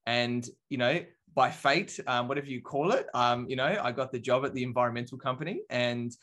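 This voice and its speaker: A relaxed Australian man in his thirties talks casually as a podcast guest. He leans on fillers as he tells his story, in a voice of middling pitch. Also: brisk. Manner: relaxed, many fillers like um and you know. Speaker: business coach guest. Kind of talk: casual interview chat.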